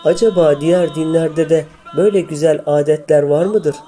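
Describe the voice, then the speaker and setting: Cartoon teacher voiced by a man: dark, soft-edged timbre, kindly and inquisitive, fond of prompting pupils. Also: a little high, fairly even intonation, normal speed, faint music behind, natural voice. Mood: curious. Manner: addresses pupils fondly, asks leading questions. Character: kindly, curious school teacher, easily amazed. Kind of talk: scripted comic cartoon dialogue.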